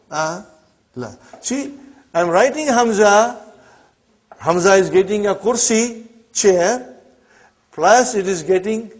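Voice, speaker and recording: Lo-fi recorded Arabic teacher, man. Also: sits high. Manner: checks in often with "huh?" and "brothers and sisters". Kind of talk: classroom grammar lesson. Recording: dull lo-fi classroom recording.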